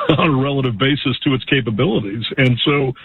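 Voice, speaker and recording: Earnest caller on a tinny phone line. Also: male voice, mid-range voice, husky, no room sound. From United States. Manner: earnest, halting, with many restarts. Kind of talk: call-in radio talk.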